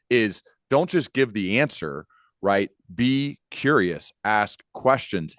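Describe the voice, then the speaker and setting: A man's voice: on the low side, no echo. A man in his thirties hosting a podcast, talking conversationally into a close studio microphone. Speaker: podcast host. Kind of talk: conversational interview talk. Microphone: close studio microphone on a video call.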